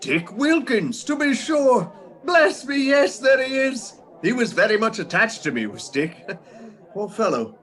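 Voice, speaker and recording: An actor in a radio play voicing a miserly old man softened by memories, hesitant and full of feeling. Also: very high voice, very animated, a little slow, full character voice. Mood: delighted nostalgia. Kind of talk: dramatic radio play acting.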